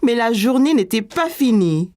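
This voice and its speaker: A woman playing the gentle storyteller of a preschool cartoon, reading scripted narration. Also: on the high side, very animated, normal speed, music in the background. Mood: gentle storytelling.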